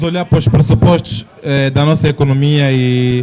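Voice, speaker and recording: A man's fairly high voice at a fairly slow pace. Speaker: political debate panelist. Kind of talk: heated debate. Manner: halting, repeats words.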